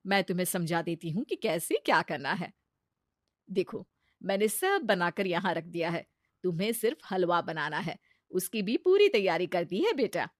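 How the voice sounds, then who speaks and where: A woman voicing a kind middle-aged mother-in-law who speaks softly and gently. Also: mid-range voice, no room sound, studio quality.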